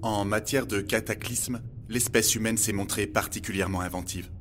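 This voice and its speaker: A man playing an electronic encyclopedia with an empathy module, a measured, learned guide in a scripted audio drama. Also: lowish voice, steady tone, background noise, natural voice. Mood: grave, explanatory. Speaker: narrator and guide. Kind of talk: scripted audio fiction, documentary narration. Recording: music under the voice. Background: music.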